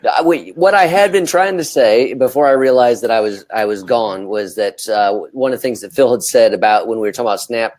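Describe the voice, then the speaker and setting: A man's voice: medium pitch, a little fast, hardly any pauses, a little mellow, no echo. A man co-hosting a casual talk show, piecing his thoughts together with some hesitation.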